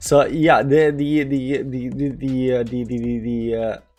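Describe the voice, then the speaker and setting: A man speaks at medium pitch with ordinary pitch variation. Music plays in the background. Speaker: crypto market YouTuber. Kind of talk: casual, slangy. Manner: fast talker; repetitive, stammering filler words.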